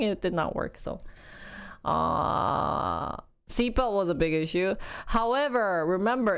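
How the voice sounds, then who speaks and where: A woman in her thirties chatting casually to viewers, rambling and animated, acting out her baby's noises. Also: mid-range voice, clean tone. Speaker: vlogger talking about her baby.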